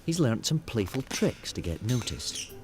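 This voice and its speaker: A man's voice: medium pitch, very animated, measured pace, over loud music. A man narrating a scripted nature documentary. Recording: noticeable background noise.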